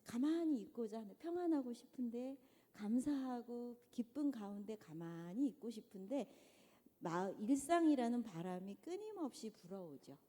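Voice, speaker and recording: A middle-aged woman giving a conversational church lecture to mothers, animated and often asking the audience questions. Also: a little high, normal speed. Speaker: guest lecturer. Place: large church hall. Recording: long church hall reverb.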